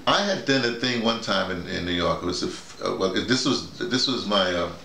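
A man's voice: low voice, animated, fairly quick, vocal fry, bright, forceful tone. Man in an echoey room, explaining emphatically. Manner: emphatic, digressive, repeats phrases. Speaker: drama workshop leader. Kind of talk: casual conversation, storytelling and explaining. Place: small indoor room with a bed. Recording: echoey room, faint noise.

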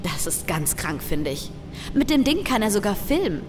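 A woman's voice: medium pitch, big pitch swings, moderate pace, background noise, lightly acted. A woman acting in an audio drama as a quirky, self-assured network expert with a cheeky, nonchalant manner.

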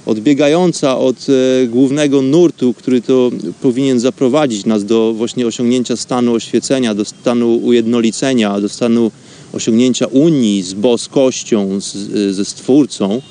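A man hosting a spiritual radio show, speaking in an informal, reflective monologue with wordy, measured phrasing. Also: medium pitch, fairly even intonation, warm tone.

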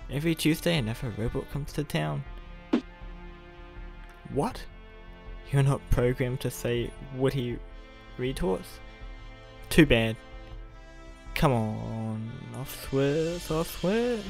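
A man's voice: medium pitch, animated, slow, gravelly, pauses often, over music. A young man playing an awkward, earnest college student who is secretly a superhero, in a roleplay audio with hesitant delivery. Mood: cocky, teasing.

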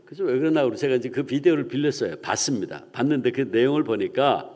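A man's voice: medium pitch, a little mellow, in a large hall. A middle-aged male pastor preaching an early-morning sermon in a church, telling a story with acted-out voices.

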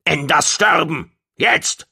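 A man's voice: a little high, animated, takes it slowly, creaky, pushed and bright, husky, pitched above the performer's own voice, heavily acted. A man voicing a fat four-armed alien master in an audiobook, howling vindictively in broken, clipped grammar. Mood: furious, demanding. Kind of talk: audiobook character voice.

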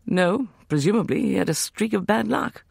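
A young woman with a raised, lively voice, affectionate yet firm, as a male narrator puts her on. The sound is close and dry. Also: high-pitched, normal speed, gravelly, husky, dry recording, pitched above the performer's own voice, full character voice. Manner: warm but firm.

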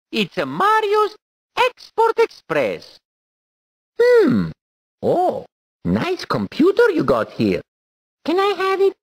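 Mario, a squeaky Italian-accented plumber. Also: male voice, dry recording, studio quality, exaggerated voice. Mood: goofy. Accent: exaggerated Italian. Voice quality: squeaky, sing-song. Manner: goofy and encouraging, giggly. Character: cheerful cartoonish male plumber hero, bubbly and playful. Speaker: typing tutor guide. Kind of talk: video game character voice lines.

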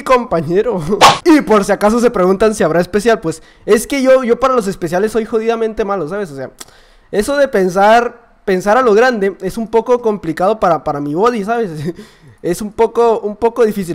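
Un joven con acento latinoamericano que comenta sus partidas con emoción, grita cuando pierde y murmura entre jugadas. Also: male voice, high-pitched. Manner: excitable, yells at sudden deaths then drops to mutters. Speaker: gaming youtuber. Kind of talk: gameplay commentary.

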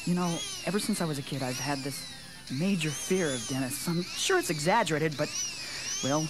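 A man playing a nervous dental patient, hesitant and halting, in a scripted comic message. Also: on the high side, lively intonation, over music, close to an everyday voice, low-quality recording. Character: nervous man dreading his dentist appointment.

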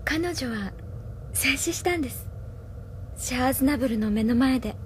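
A woman's voice: sits high, moderate pace, slight background noise, close to an everyday voice. An actress playing a polite, sincere young woman on a starship crew in a radio drama. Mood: somber. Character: polite young female staffer, devoted and caring.

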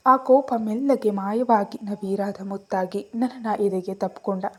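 A woman's voice: medium pitch, fairly even intonation, a little slow, no echo. Tender young woman narrating romance. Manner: tender, emotional. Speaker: storyteller. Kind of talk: first-person romance story narration.

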